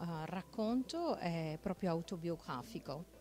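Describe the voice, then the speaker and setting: Somewhat breathy and fairly low in pitch, a woman with a French accent has a dark, mellow tone, with light background noise behind her. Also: dry sound with no echo. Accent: French-speaker's accent in Italian. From Belgium, Flemish region, Sicilian parents. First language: French (speaking Italian). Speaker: writer and film director; interviewee. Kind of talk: interview. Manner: hesitant, many fillers. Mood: serious, personal, painful story. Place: hall. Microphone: handheld.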